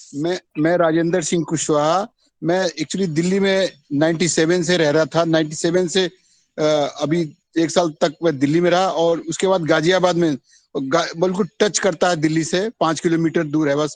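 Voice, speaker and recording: This man's voice sits high in pitch, with fairly even intonation and very even loudness. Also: dry, close sound with no echo. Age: 60s. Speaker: retired farmer and yoga class organizer. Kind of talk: online meeting self-introduction. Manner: halting.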